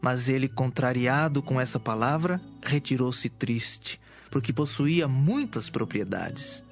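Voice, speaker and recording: A man's voice: mid-range voice, a little slow, soft background music. A man reading scripted narration for a dramatized audio Bible.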